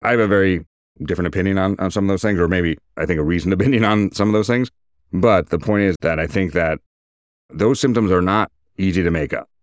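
A man's voice: deep voice, quick pace, dry recording, studio quality. A man speaking as a surgeon, giving an informal, detailed medical explanation in a conversational way.

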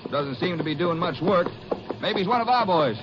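An actor playing a wry, easygoing Ranger sidekick in a 1950s radio western. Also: male voice, high-pitched, lively intonation, moderate pace, background noise. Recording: muffled old radio recording, music.

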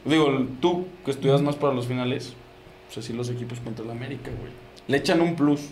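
A man's voice: mid-range voice, fast talker, a little mellow, a little hiss or hum. A young man with a Mexican Spanish accent, co-hosting a casual sports podcast, joking and laughing while he talks. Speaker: podcast co-host. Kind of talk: casual banter among friends. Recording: echoey room with faint ambience.

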